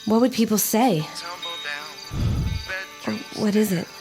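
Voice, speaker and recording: An actress playing an anxious young woman hiding a secret romance, breathy and hesitant, in a horror audio drama. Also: mid-range voice, slow pace, over music, natural voice.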